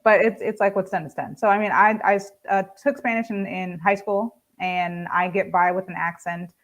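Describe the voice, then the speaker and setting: A woman's voice: medium pitch, fairly even intonation, moderate pace. Chatty woman conductor on a muffled call. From United States. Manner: chatty, laughs often, lots of fillers. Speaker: guest conductor. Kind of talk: casual conversation.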